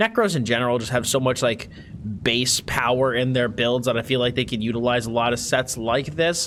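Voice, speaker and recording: A man at a fairly quick pace, medium in pitch. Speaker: gaming youtuber. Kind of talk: tutorial. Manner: casual, some filler words and stumbles.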